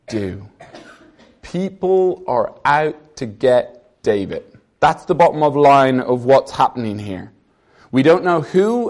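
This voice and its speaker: A man's voice: a little high, darkish tone. Irish man preaching a sermon. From Ireland. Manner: earnest, conversational preaching with personal stories.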